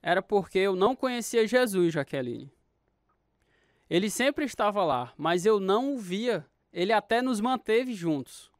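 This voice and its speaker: A man's voice: high-pitched, expressive, measured pace. An actor playing an earnest, devout Christian man with a Brazilian accent, giving his testimony in a radio drama. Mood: solemn, urging. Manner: earnest, preachy.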